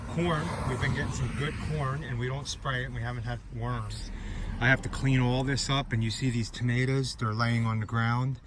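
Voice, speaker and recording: A man's voice: medium pitch, fairly even intonation, moderate pace. A man chatting casually and informally in a folksy way, giving a vlog tour outdoors in a breezy garden. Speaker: vlogger showing his vegetable garden. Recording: noisy outdoor recording, breezy ambience.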